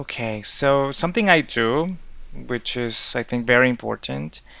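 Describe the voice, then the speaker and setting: A man with a Spanish accent talks at a fairly slow pace with ordinary pitch variation. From El Salvador. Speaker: online language tutor. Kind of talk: interview.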